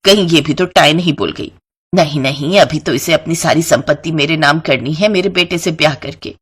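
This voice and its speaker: A woman's voice: low-pitched, normal speed, husky. A woman voicing a greedy, scheming middle-aged maidservant with sugary, coaxing talk in a cartoon story.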